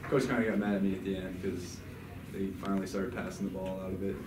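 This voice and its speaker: A man's voice: low voice, level tone, fast talker. A young male college basketball player answering in a laid-back, offhand way at a press conference. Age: young adult. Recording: echoey room, distant mic, background noise.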